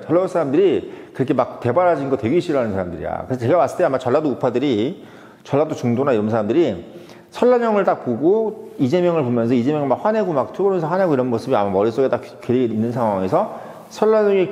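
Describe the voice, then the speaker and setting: Male YouTube commentator, quick talker, warm low-bright tone, casual monologue. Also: in a large hall. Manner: animated, with rhetorical "huh?" asides and repeated words.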